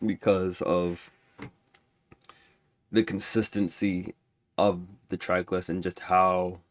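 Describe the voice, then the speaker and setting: A man's voice: low voice, little pitch movement, slow, dry recording, studio quality. A man with a stuffy nose ranking music albums in casual, rambling talk full of restarts and fillers. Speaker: music reviewer.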